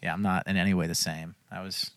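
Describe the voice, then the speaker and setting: A man's voice: low-pitched, flat delivery, quick pace, no echo, clean studio sound. A man in his mid-twenties from Florida, a band member telling stories in a casual, self-deprecating way and laughing often. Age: 20s. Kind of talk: casual interview.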